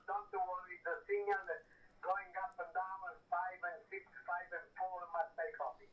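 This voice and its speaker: An amateur radio operator calling stations in clipped call-sign style, heard over a shortwave link with static bursts. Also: male voice, sits high, little pitch movement, unhurried, narrow, tinny audio. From Italy. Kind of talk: ham radio contact exchange. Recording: distant radio signal with faint static.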